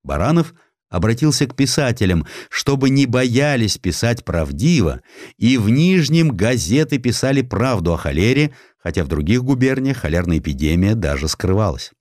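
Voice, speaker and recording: A man narrating a historical essay as an audiobook, reading from a script in an expressive storytelling way with dramatic emphasis. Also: mid-range voice, moderate pace, no room sound, studio quality.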